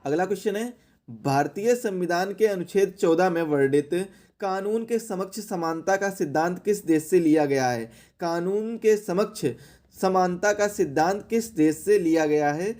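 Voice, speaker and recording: A man's voice: sits high, darkish tone. A man teaching an exam question-and-answer lesson in a didactic way, repeating key phrases for emphasis.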